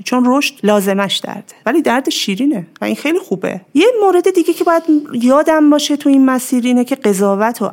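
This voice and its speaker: A woman guest on a conversational podcast, speaking in a steady, reflective way. Her voice has a gravelly, creaky edge. She explains ideas patiently and reaches for simple everyday examples. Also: mid-range voice.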